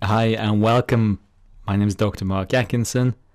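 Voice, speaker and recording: In a normal speaking voice, a man talks at a fairly low pitch with fairly even intonation and a dry, close sound with no echo. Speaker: meditation teacher and coach. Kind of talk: guided meditation. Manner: calm, slow, soothing, instructive.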